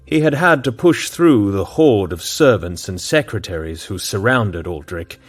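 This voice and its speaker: Male narrator with a low voice. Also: expressive. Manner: measured, storytelling. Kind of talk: scripted audiobook narration.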